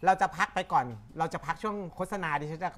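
A woman's voice: sits low, fast, a bit bright, a little hiss or hum. Isan lady hosting a live sales stream, talks a lot, says stuff twice. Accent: Isan Thai. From Isan, northeast Thailand. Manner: chatty, repeats words for emphasis.

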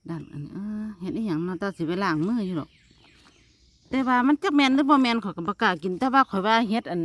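Chatting to her "brothers and sisters" from a rural yard, an Isan Thai-accented vlogger films herself outside on a phone. Her mid-pitched voice is expressive and quick.

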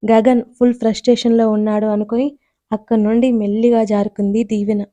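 A woman storyteller reading a romance audiobook in a steady, scripted narration on a close mic. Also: on the high side, fairly quick, no room sound.

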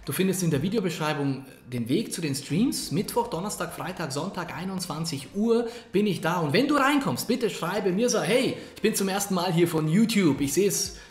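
A man giving energetic, colloquial coaching commentary over gameplay, talking straight to the viewer. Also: high voice, moderate pace, few pauses. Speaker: gaming coach. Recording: echoey room. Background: faint background music.

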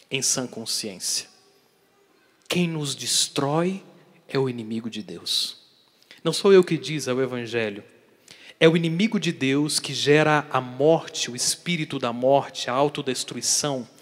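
A priest gives an emphatic sermon in a fairly high male voice, asking his listeners questions and dropping from loud to soft. Long reverb from a large hall surrounds him. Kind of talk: daily catechesis sermon.

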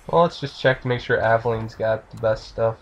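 A man's voice: fairly low pitch, brisk, lo-fi sound, slight background noise. A man giving loose, joking let's play commentary while he plays, swearing freely. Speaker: gamer.

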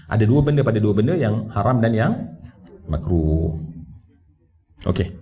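A man's voice: on the low side, measured pace. A man with a Malaysian Malay accent teaching a conversational Quran commentary class in a mosque, asking his listeners questions and dropping in English words. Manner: animated, conversational, asks the audience questions and mixes in English words. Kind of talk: mosque lecture. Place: large mosque hall. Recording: dull livestream audio from a mosque.

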